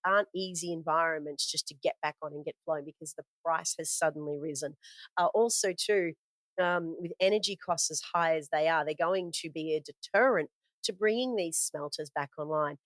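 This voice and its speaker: A woman's voice: sits low, fairly even intonation, fairly quick, no echo. A woman hosting a commodities podcast, talking through her notes in a conversational way, with fillers and self-corrections. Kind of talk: casual spoken market commentary from notes.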